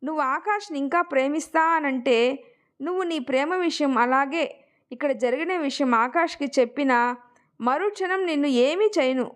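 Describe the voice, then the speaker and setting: A woman voicing an unseen man who makes slow, cold threats over the phone in a family storytelling narration. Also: high voice, close to an everyday voice. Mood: menacing.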